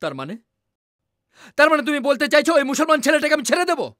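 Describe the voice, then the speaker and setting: High-pitched hot-headed young man. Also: big pitch swings, quick pace, fairly bright tone, dry recording, clean studio sound, exaggerated voice. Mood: outraged. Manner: aggressive, impatient. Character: hot-headed, threatening son of a powerful family. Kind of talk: film drama dialogue.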